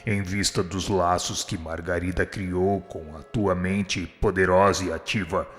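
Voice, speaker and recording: A man's voice: low voice, fairly bright tone. An actor playing a kind, humble spirit instructor in a radio drama, solemn and eloquent as he pleads. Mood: humble pleading. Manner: solemn, supplicating, formal and eloquent. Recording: long hall reverb, music underneath. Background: music.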